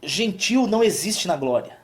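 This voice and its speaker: A man preaching as a pastor on a live stream, soft and calming with hushed stretches and emphatic points. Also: high-pitched, normal speed.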